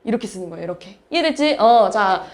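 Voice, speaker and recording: A woman's voice: mid-range voice, animated, quick pace, slight background noise. A woman math teacher lecturing a class, explaining step by step and asking her students questions.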